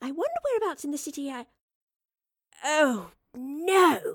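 A put-on character voice with big pitch swings, at a fairly slow pace. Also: woman, high pitch for a woman.

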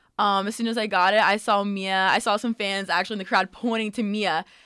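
On a very clean recording with a silent background, a woman with an American accent talks at a fairly quick pace in a bright, sharp tone of medium pitch. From New Jersey. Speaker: college basketball player. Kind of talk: interview.

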